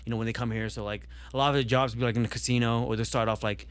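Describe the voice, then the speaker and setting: A man's voice: medium pitch, steady tone, racing, clear, resonant tone. A young man born in Vietnam, talking casually on a podcast and rambling with many fillers and restarts. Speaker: podcast guest.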